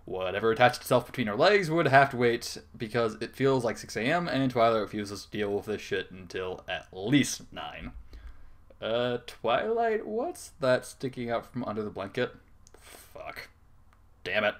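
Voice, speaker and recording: A man's voice: medium pitch, sing-song, normal speed. A man narrating a comic story in an irreverent, theatrical, sweary manner, dropping in casual asides. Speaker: narrator reading fan fiction.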